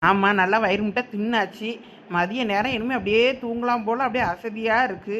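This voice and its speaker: A woman voicing a drowsy housemate who has overeaten and wants to nap, speaking slowly and sleepily in a village comedy skit. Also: medium pitch, fairly even intonation, fairly bright tone, a little hiss or hum, pitched below the performer's own voice, close to an everyday voice. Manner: slow, sleepy and contented.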